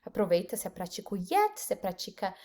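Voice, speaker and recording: A woman with a Brazilian Portuguese accent giving an upbeat online English lesson, slowing down to model English phrases. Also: mid-range voice, very animated, a little mellow. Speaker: English teacher.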